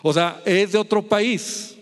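A man's voice: high-pitched, slow pace, long reverb tail. A middle-aged man preaching a sermon, chatting with the congregation and checking in with constant tag questions.

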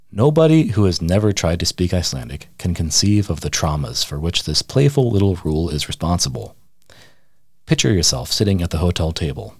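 A man reading a humorous essay aloud with a wry, deadpan, mock-serious delivery. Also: low-pitched, no room sound, clean studio sound. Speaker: radio essayist.

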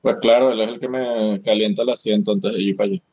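A man's voice: on the low side, steady tone, darkish tone, dry recording, muffled recording. A man co-hosting a podcast who throws in dry, teasing one-liners. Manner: dry, quick teasing quips. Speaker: podcast co-host. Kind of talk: casual podcast chat.

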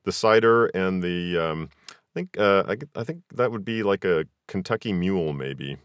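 A podcast host who also narrates audiobooks chats in a casual, conversational interview. His low-pitched voice is smooth and moves at a normal speed, recorded at studio quality with no echo.

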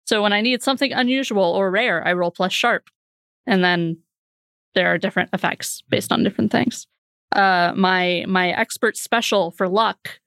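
A woman's voice: medium pitch, normal speed, vocal fry, a bit bright, dry recording, clean studio sound. A woman casually describing her character in a tabletop game, chatty with frequent fillers and laughs. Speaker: player.

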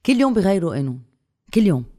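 A Lebanese speaker with a Levantine Arabic accent talks quickly in a mid-pitched voice. The chat is casual, with foreign loanwords dropped in and phrases repeated for emphasis. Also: sing-song, warm tone. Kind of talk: casual conversation mixing in English and French loanwords.

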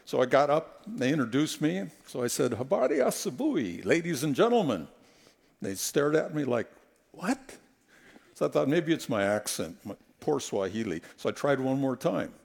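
Animated gravelly-voiced male preacher. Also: mid-range voice, moderate pace. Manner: animated, storytelling, acts out quotes. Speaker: guest preacher. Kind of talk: sermon with humorous anecdotes. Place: church sanctuary. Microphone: headset.

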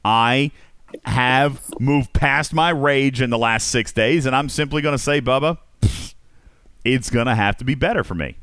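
A man hosting a casual group discussion, asking questions and musing aloud in an animated way. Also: mid-range voice, a little slow, smooth, no echo, studio quality. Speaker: podcast host.

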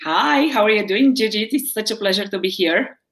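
A woman's voice: medium pitch, animated, a little fast. Chatty Bulgarian-accented woman. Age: 40s. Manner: chatty, laughs often, adds "right?". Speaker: guest, wellness coach. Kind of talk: conversational interview.

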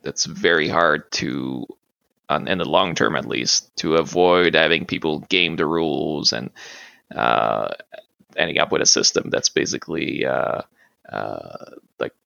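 Really deep gravelly guy, french first language, crisp bright tone, halting with lots of uhs. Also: no echo, highs cut off. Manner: hesitant, many fillers and restarts. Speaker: guest, martial arts practitioner. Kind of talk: casual interview talk.

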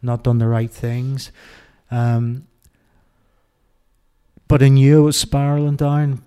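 Reflective Irish man, flat mellow voice. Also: medium pitch, clean tone. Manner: reflective, halting, with frequent restarts and fillers. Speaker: interview guest. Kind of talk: candid personal interview.

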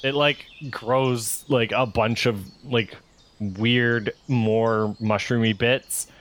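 A man runs a tabletop game at an unhurried pace, narrating loosely and leaning on fillers like "like" and "um." His voice sits at an ordinary pitch. Birdsong can be heard faintly in the background. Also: fairly even intonation, a bit bright. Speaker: game master.

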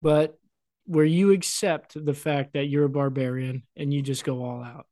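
A man's voice: on the high side, fairly even intonation, normal speed, mellow, dry recording, clean studio sound. A man co-hosting a podcast in casual chat, joking and laughing often. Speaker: podcast co-host.

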